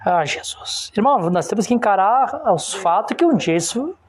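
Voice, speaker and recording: A man from Rio do Sul, a pastor preaching a sermon in church with call-and-response. He keeps asking the congregation for agreement and grows loud and emphatic as he presses each point. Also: high voice, sing-song, normal speed, a little hiss or hum. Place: church service in front of a congregation.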